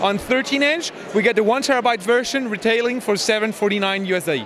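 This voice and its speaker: Noticeable background noise sits behind a dry recording with no echo. The man speaks at a moderate pace in an extremely high pitch, with ordinary pitch variation. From Belgium. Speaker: tech startup co-founder. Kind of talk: trade show product demo interview. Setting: trade show booth. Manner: animated. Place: hall. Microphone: handheld.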